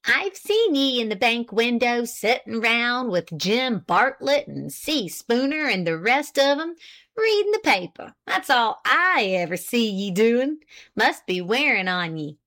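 A woman voicing a thin, shrewish, frugal old farm wife with a sharp, nagging rural drawl. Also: on the high side, big pitch swings, a little slow, pitched above the performer's own voice, exaggerated voice.

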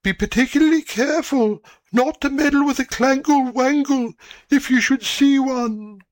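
Man playing old cat, high, stern, deliberate, warning, storybook. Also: no echo.

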